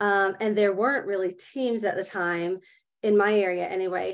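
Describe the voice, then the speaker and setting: The speech carries a slight New York accent at a moderate pace. Intonation stays fairly even over a quiet background. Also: woman. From New York and Georgia. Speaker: real estate agent. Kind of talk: interview. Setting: video call.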